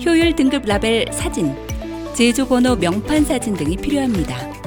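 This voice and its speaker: Fairly slow female speech over music in the background. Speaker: announcer. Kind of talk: public information explainer narration. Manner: clear, friendly.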